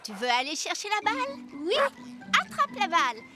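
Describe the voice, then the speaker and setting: Brief: gentle cartoon girl, lilting soft voice, loud music under. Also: very high-pitched, sing-song, moderate pace. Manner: soft-spoken, encouraging. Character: kind, gentle young cartoon girl with a dog. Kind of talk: French cartoon dub.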